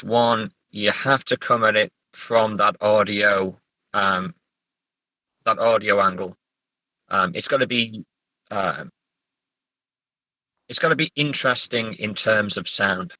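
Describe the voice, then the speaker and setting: A man with a bright, forward voice in a close, dry recording speaks as a writer being interviewed. He is casual and reflective, halting and repeating words while he gathers his thoughts. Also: lowish voice, no echo, low-quality recording. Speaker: writer, podcast guest.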